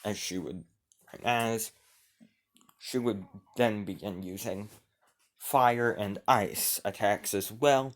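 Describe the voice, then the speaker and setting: Male narrator, improvised fan story, slow, rambling, restarts a lot. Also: on the low side.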